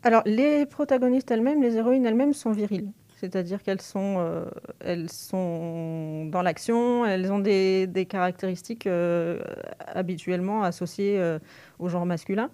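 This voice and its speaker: A woman university lecturer answering radio interview questions thoughtfully, pausing often with fillers as she thinks. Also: mid-range voice, warm tone. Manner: thoughtful, hesitant with frequent fillers.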